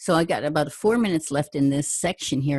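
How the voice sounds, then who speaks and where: With a Canadian accent, a woman speaks in a very deep, low, dark, mellow voice, recorded dry and close with no echo against a quiet background. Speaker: podcast host, hypnotherapy trainer. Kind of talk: casual interview chat.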